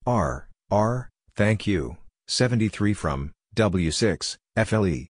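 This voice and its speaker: A man with a very low voice reads amateur radio phrases slowly, one clipped chunk at a time. The recording is dry and close, with no room sound around him. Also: animated, slightly rough, dry recording. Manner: measured, clipped reading of radio jargon. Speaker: Morse code practice instructor.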